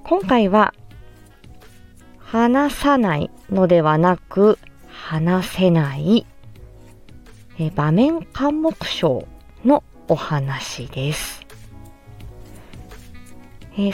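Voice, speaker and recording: A woman who works as a speech-language-hearing therapist hosts a podcast, explaining a topic politely and with measured pauses and frequent fillers. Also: mid-range voice, big pitch swings, a little mellow, soft background music.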